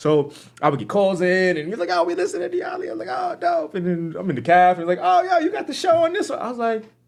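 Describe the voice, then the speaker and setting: Talking at a very fast speed, a man comes across with a New York accent. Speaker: DJ and music producer. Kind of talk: casual podcast interview. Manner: animated.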